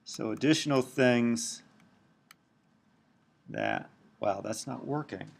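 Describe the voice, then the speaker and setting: A middle-aged man with a big, loud voice, giving a recorded university lecture while writing on a tablet, slow and deliberate. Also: medium pitch, huge pitch swings, creaky. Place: at a computer, screen recording.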